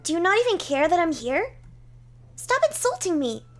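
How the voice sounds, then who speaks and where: Game casting: indignant young female knight acted by a woman, very high, loud, declamatory, easily flustered. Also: a little slow. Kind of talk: visual novel voice acting.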